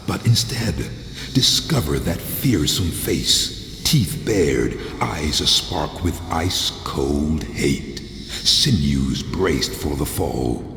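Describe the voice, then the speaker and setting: A man's voice: rumbling low, fairly bright tone, exaggerated voice. A man playing a brooding, grim supernatural warrior in a video game, speaking in a solemn, portentous manner. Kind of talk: dramatic video game monologue and dialogue. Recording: noisy, echoey hall reverb.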